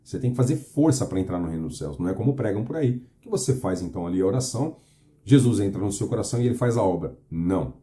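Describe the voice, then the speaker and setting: A man's voice: on the low side, expressive, quick pace, mellow. A Brazilian man preaching earnestly to camera, asking the listener questions and reading scripture with emphasis. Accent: Brazilian Portuguese.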